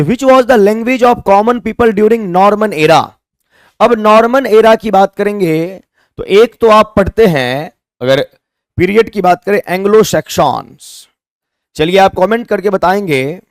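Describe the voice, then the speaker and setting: A man's voice: high voice, dry recording, clean studio sound. A man with an Indian accent teaching an online exam-prep English class, mixing Hindi and English, spelling words out letter by letter and asking viewers to comment their answers. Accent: Indian, Hindi-speaking.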